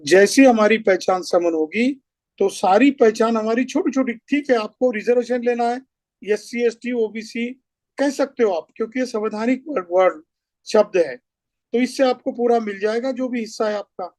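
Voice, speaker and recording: High-pitched man, earnest lecturing speaker, dry close sound. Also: normal speed, darkish tone, no room sound. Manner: earnest, lecturing, builds points through lists. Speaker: speaker at a community meeting. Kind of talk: impassioned speech.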